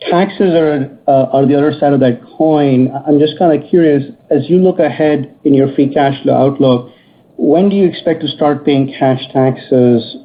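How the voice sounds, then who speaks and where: Male analyst, mid-pitched, polite, halting, narrow phone sound. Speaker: financial analyst asking questions. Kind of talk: conversational earnings call questioning. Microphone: telephone. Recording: narrow tinny phone line.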